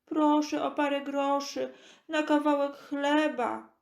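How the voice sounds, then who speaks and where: Blind beggar man played by a woman, children's Bible tale: raised high pitch, slow pleading cries, echoey room. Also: flat delivery, gravelly, heavily acted. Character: blind male beggar, pleading, desperate, full of hope. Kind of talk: children's Bible audio story.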